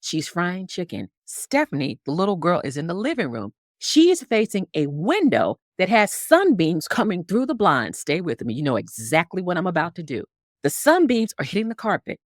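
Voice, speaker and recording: Deep-voiced woman telling a story on a podcast, super expressive, does all the voices, dry close sound. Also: moderate pace, no room sound. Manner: acts out characters with big pitch swings. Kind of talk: animated storytelling in conversation. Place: Harlem upbringing.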